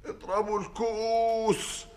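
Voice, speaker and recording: An Egyptian man playing a solemn high priest of the jinn in a theatrical drama, declaiming and chanting his pronouncements. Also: little pitch movement, moderate pace, darkish tone, close to an everyday voice. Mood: solemn, ceremonial. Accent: Egyptian Arabic. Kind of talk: theatrical radio drama acting. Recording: faint background noise.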